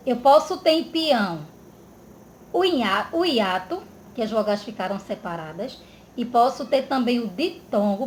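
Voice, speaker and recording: A woman teacher from Brazil giving a slow grammar lesson for children, drawing out words and checking in often. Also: a little high. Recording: echoey room with faint background noise.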